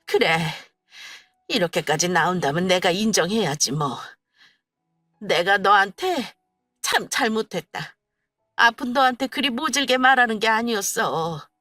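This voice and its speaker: A woman's voice: medium pitch, animated, unhurried, pushed and bright, no echo, studio quality, faint music behind. A woman voicing a stubborn, self-pitying older mother-in-law who whines and scolds. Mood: pleading. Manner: whiny, scolding, later pleading.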